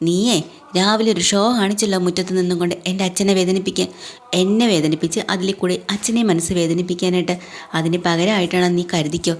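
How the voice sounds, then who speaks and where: A woman's voice: fairly low pitch, fairly even intonation, fast talker, close to an everyday voice. Woman quoting a defiant young wife. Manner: sharp, defiant.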